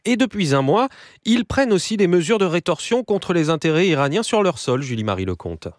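A man presenting live radio news as the anchor, measured and steady, with the odd hesitation. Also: high voice, no echo, studio quality.

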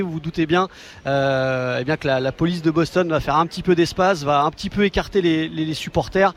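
A man reporting live for the news from outdoors on a city street, talking with many fillers and restarts. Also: on the high side. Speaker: field reporter.

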